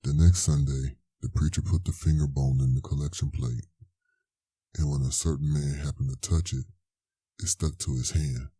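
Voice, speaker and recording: Male horror narrator: very deep and dark, slow, suspenseful delivery of a scripted tale. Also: fairly even intonation, slightly rough, no room sound. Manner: deliberate, suspenseful. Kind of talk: scripted dramatic narration of a scary story.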